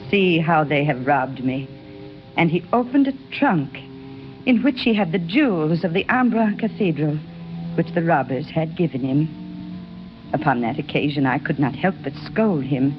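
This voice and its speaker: Casting: devoted elderly sister, gentle and earnest, mid pitch, music under, dull vintage radio sound. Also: female voice. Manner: gentle, earnest letter reading. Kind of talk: 1930s radio acting. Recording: muffled old radio broadcast.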